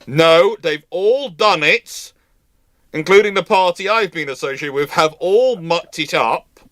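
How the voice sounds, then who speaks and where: A man's voice: fairly high pitch, animated, a little slow, a bit bright, no room sound, clean studio sound. A man hosting a live naval history question stream, talking in a rambling, sarcastic way with many restarts. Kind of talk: casual live Q&A talk.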